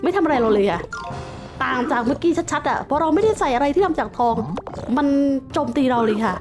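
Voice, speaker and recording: Talking fast over music, a Thai woman with a high, expressive voice plays Minecraft for her gaming YouTube channel. She mixes playful villainous taunts with polite game explanations and keeps her sentence endings polite.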